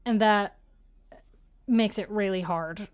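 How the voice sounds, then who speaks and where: A woman's voice: medium pitch, slow, clear, resonant tone. Female podcast co-host, clean resonant tone, informal conversational livestream delivery. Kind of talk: casual livestream chat.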